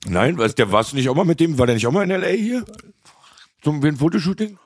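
A husky-voiced man with a lively, swooping delivery, teasing his co-host with rapid questions. He talks fast in casual chat. The sound is dry and close. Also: fairly high pitch, no room sound.

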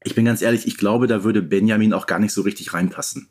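A man's voice: on the low side, steady tone, quick pace. A man co-hosting a podcast, explaining details in a conversational, informed way. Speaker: podcast co-host. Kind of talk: casual, informed commentary on audio play series.

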